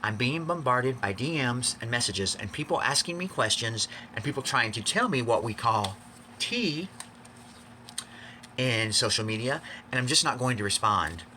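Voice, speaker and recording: Male vlogger, campy and theatrical, forceful bright tone, confessional delivery, faint background noise. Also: medium pitch, lively intonation, normal speed. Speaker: video blogger. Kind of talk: confessional vlog to fans.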